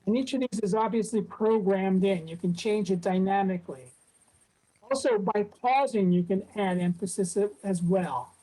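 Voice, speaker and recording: Woman showing off robot voice software on a zoom call, mellow voice, lots of ums. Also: mid-range voice, normal speed, rough recording. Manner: relaxed, with many fillers. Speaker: presenter at a robotics club meetup. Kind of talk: casual demo presentation. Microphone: video call.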